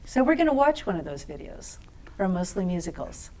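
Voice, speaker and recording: A woman's voice: lowish voice, big pitch swings, a little fast. A woman hosting an interview show, asking questions and encouraging her guest. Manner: warmly encouraging, laughs along. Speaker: host. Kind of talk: casual interview.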